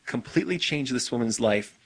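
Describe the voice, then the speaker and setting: A man telling a faith story in casual conversation, animated and repeating words when excited. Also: medium pitch, a little fast.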